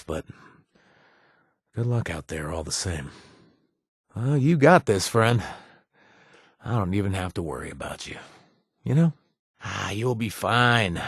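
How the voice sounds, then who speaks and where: A teasing, flirty game companion. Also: male voice, on the low side, dry recording, studio quality. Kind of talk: video game voice lines.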